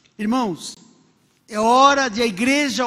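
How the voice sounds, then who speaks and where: A man talks in a raised, projected voice with ordinary pitch variation. His pace is very slow. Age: old. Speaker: pastor. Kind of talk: sermon. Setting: church.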